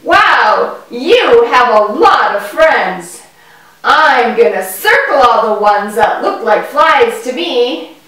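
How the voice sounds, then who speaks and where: A woman voicing an excitable, fearful young boy in a children's puppet show, with exaggerated delivery aimed straight at kids. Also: fairly high pitch, slow, heavily acted. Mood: amazed, explaining. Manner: exaggerated, addressing children directly. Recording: echoey hall, far from the mic.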